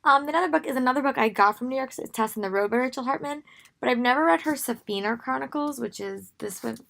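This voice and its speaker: A young woman who has lost her voice, sounding hoarse and strained, chatting casually and rambling with many pauses about books she wants to read. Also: high voice, fairly bright tone. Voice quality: gravelly, strained. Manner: rambling with frequent ums. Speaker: book vlogger. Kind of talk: casual book haul talk.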